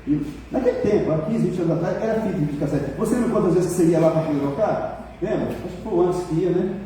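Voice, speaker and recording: A man preaching a sermon as pastor in a church, telling stories in a colloquial, animated way and calling on the congregation for responses. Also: sits high, quick pace. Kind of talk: sermon with storytelling. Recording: echoey church hall, mic far off, faint noise.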